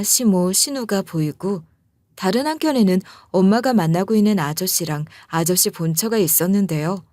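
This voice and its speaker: A woman's voice: medium pitch, darkish tone, dry recording, clean studio sound. A woman narrating a first-person life story in a chatty, confiding way.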